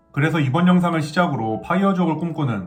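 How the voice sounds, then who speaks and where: Delivered at a very fast pace, the speech comes with audible room echo and noticeable background noise. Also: man. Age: 30s. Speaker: finance YouTuber, office worker. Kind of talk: scripted narration. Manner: formal.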